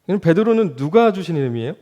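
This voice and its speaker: Slightly high-voiced man preaching a sermon. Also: big pitch swings, quick pace, highs cut off. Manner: asks the congregation rhetorical questions, rises and falls in loudness. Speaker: junior pastor. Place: church.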